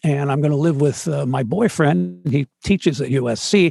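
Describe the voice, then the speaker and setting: Speaking with a northeastern US accent, a man uses a fairly high pitch, a dark, mellow tone and a somewhat breathy delivery. His intonation is lively, his pace moderate, and the sound is dry and close with no echo. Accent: American, northeastern. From US Northeast, Rust Belt. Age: 70s. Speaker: radio and voice-over veteran, podcast host. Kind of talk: interview conversation. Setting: podcast interview.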